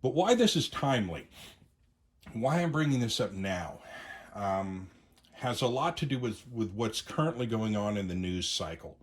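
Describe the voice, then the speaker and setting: A middle-aged man with an American accent speaks in a fairly low voice, as a video host talking off the cuff. He shares his opinions conversationally, pausing often as he finds his phrasing. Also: very animated. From United States. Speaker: YouTube host, amateur radio enthusiast. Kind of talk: unscripted opinion monologue to viewers.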